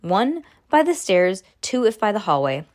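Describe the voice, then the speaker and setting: A woman reading a storybook as a bossy, excitable young schoolgirl, insistent and dramatic. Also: medium pitch, normal speed, lightly acted.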